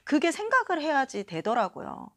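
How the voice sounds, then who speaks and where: A woman's voice: high voice, wildly swooping pitch, normal speed. A young adult woman talking casually into her phone about a self-help book, acting out little quoted lines and often filling with short "yes" asides. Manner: chatty, acts out quoted lines, frequent filler "네". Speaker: channel host reading and commenting on a self-help book. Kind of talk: casual talk to camera.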